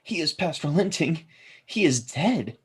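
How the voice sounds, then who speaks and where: An actor playing a worried husband in debt, earnest and grave, in a radio drama. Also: male voice, a little high, animated, measured pace, husky, heavily acted. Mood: grave hope. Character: worried, debt-ridden husband, gently hopeful.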